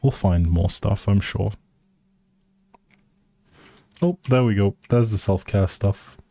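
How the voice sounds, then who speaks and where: Warm and lowish, this man's voice keeps a moderate pace while he plays a life simulation game on stream. He rambles cheerfully to his viewers, thinking through things aloud, with no echo.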